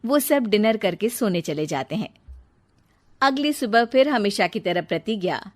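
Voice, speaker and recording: A woman narrating a cartoon story in a steady, even storytelling manner. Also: mid-range voice, measured pace.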